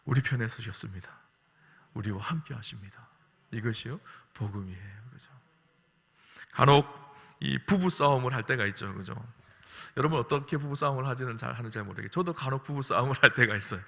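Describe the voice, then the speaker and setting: A male pastor preaching to his congregation, often asking them short questions and swinging from soft to loud. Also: mid-range voice, a little fast, gravelly, long pauses, slightly rough. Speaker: senior pastor. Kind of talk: sermon. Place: church sanctuary. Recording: long hall reverb.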